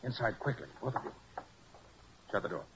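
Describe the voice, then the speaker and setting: An actor playing a brisk, confident American master detective in a 1940s radio drama, speaking with crisp authority. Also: male voice, fairly low pitch, big pitch swings. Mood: urgent. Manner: crisp, authoritative, matter-of-fact. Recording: muffled, hissy 1940s radio recording.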